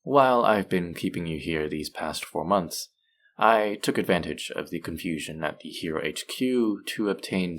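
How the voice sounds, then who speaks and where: In an intimate audio roleplay, a man plays a suave, manipulative supervillain who is measured and teasing, softly menacing yet tender toward his captive. His voice is low and creaky, and his delivery is exaggerated.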